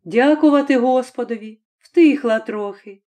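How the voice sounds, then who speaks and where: Woman doing a weary gentle old peasant man, low and drowsy, slow. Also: close to an everyday voice. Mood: soothing.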